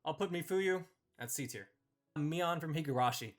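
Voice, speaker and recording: A man's voice: on the high side, normal speed, soft background music. A man hosting a casual ranked-list review, giving opinionated commentary on characters.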